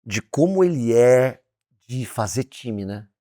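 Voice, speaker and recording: A man co-hosting a casual talk show, asking a guest questions in a relaxed way. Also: mid-range voice, slow pace. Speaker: co-host. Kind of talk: casual interview chat.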